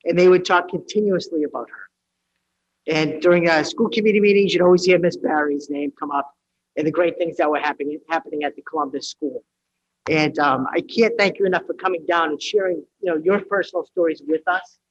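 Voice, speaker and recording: Councilor guy talking slow with lots of ums, slightly high voice, kinda muffled audio. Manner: halting, with frequent fillers. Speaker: city councilor. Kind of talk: council meeting remarks. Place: council chamber.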